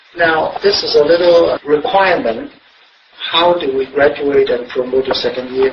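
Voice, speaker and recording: A man's high-pitched voice with lively intonation, a moderate pace and noticeable background noise. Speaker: Buddhist teacher. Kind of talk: lecture. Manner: long pauses.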